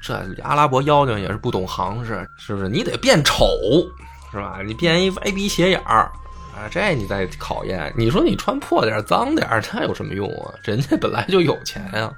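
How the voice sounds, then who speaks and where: Lively, joking male storyteller. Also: mid-range voice, a little fast, gravelly, faint music behind. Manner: chatty, joking, with asides. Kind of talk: casual comic storytelling.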